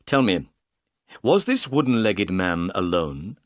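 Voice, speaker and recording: A man reading the lines of a calm, clever detective in a brisk, polite, measured way. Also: low-pitched, no echo, clean studio sound, full character voice.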